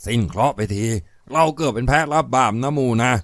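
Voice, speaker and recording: A man's voice: mid-range voice, fast talker, a bit bright, no room sound, lightly acted. A man voicing a wounded outlaw hiding from enemies, talking tiredly in a spoken storybook. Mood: weary.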